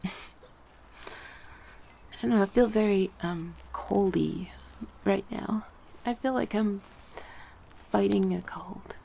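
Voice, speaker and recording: A woman performing an intimate audio roleplay, talking softly and often whispering as if out on a walk with the listener, giggling now and then, her throat slightly scratchy and congested. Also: medium pitch, takes it slowly, vocal fry, pauses often. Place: outdoors on a walk.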